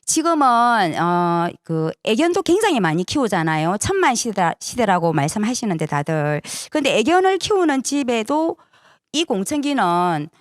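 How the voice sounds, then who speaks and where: A woman's voice: medium pitch, big pitch swings, normal speed, dry recording, studio quality. A woman presenting a sales seminar to an audience, persuasive, often asking for agreement with short tag questions.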